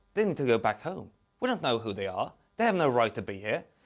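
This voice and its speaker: A man with a Swedish accent at a fairly quick pace, in a very clean recording with a silent background. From Sweden. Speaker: interviewer. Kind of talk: interview. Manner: halting.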